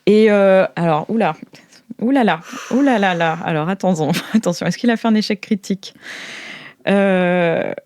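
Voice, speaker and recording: A woman's voice: medium pitch, normal speed, darkish tone, no room sound. A woman runs an improvised role-playing game as host. She narrates informally, searching for words and giggling easily, in a dry, close recording. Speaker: game master, show host.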